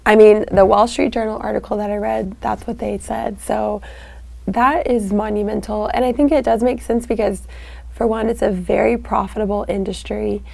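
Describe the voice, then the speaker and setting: A young adult woman co-hosting a casual podcast, with a raspy voice, laughing often and searching for words with fillers. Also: mid-range voice, fairly even intonation, normal speed, a little mellow. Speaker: co-host.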